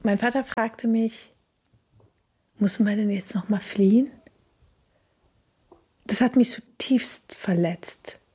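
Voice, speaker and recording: A woman from Afghanistan, a lawyer, speaking softly and reflectively in a personal interview. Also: medium pitch, slow pace, long pauses, breathy edge. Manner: soft, reflective, quietly emotional. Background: faint music.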